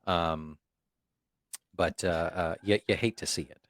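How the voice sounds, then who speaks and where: A man co-hosting a casual movie podcast, animated and playful, often dropping into silly voices and sound effects. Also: low voice, unhurried, no echo, clean studio sound. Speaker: podcast co-host.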